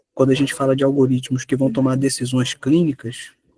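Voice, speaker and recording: With a dark, mellow tone and a fairly high pitch, a man sounds somewhat breathy in a dry, close recording with no echo. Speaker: physician lecturer. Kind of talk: lecture.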